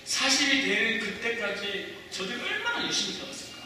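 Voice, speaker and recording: A pastor in his forties delivers a sermon in a high voice with big pitch swings, speaking a little fast. He talks conversationally and quizzes the congregation with questions, heard far from the mic in an echoey church hall with background noise.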